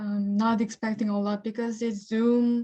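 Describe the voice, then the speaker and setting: A woman's fairly high voice in a Korean accent, at a moderate pace. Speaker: audience member. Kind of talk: audience comment. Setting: video call.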